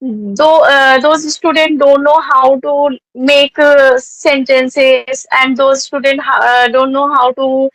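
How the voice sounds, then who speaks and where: A woman with an Indian accent speaks slowly and hesitantly, pausing on fillers as she chats. Her voice sits high. The sound is dry and close, with no room around it. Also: fairly even intonation, a bit bright, dry recording, rough recording. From North India. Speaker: tutor practicing English conversation. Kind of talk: casual conversation practice.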